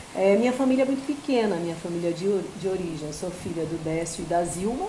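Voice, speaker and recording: A woman speaks at a very fast pace with lively intonation. The room echo is audible and the background noise noticeable. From Brazil, Belém do Pará. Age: 50s. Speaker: psychologist and school owner. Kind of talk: interview.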